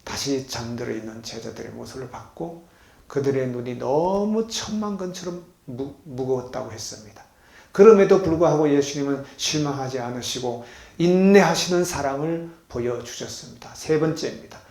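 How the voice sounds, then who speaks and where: A man preaching a sermon as a pastor to a congregation at a healing retreat center. He asks the congregation questions and swings between loud and soft. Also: medium pitch, lively intonation, moderate pace, vocal fry. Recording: echoey hall.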